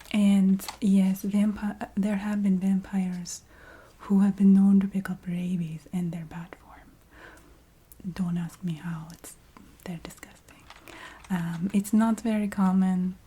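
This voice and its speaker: A woman voicing a chatty, businesslike vampire recruiter in a soft whispered ASMR roleplay. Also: mid-range voice, level tone, slow pace, breathy edge. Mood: businesslike, confiding. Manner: hesitant, matter-of-fact, checking in with the listener.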